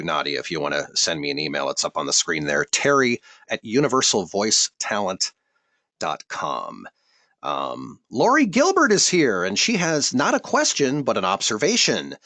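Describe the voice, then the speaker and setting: Upbeat guy running a webinar q&a, bright tone, dry sound. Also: fairly low pitch, no room sound. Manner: friendly, upbeat, quick. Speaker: webinar host and voiceover coach. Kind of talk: live webinar Q&A.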